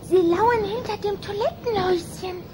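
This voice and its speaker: A woman's voice: very high voice, normal speed, heavy background noise. A woman playing a chatty, playful, gossipy little vampire girl with a girlish voice in a children's radio play. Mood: excited, mischievous.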